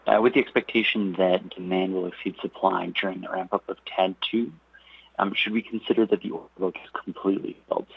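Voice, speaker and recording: A man asking a polite, measured question on a conference call, and his phone line cuts out partway through. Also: sits low, steady tone, creaky, husky. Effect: phone line audio cutting out mid-question. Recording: dull lo-fi phone line that drops out.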